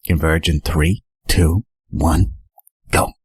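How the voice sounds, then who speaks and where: Superhero leader, played by a man: extremely low, husky, terse and brooding, dry recording. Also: wildly swooping pitch, slow pace, dry recording, full character voice. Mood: commanding. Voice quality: gravelly. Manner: terse, guarded. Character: gruff, brooding young male superhero team leader. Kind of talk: amateur audio drama acting.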